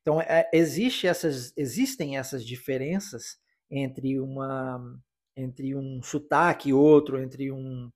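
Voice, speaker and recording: A man's voice: medium pitch, slow pace, a little mellow. A man from Brazil, teaching English in a podcast lesson and repeating phrases for practice. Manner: explanatory, repeats phrases for drill.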